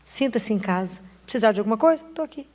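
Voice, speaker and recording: High-voiced Brazilian woman preaching in a hall. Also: expressive, quick pace, a little mellow. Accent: Brazilian Portuguese. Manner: emotional and earnest, with short urging phrases. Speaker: Catholic preacher. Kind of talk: sermon.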